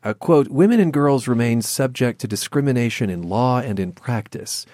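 A man hosting a panel discussion, calmly reading quotes and asking guests questions. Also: mid-range voice, normal speed, dry recording. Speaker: host.

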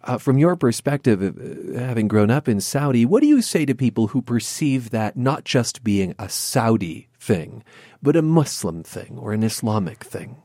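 A man hosting a panel discussion, calmly reading quotes and asking guests questions. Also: mid-range voice, normal speed, dry recording, studio quality. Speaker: host.

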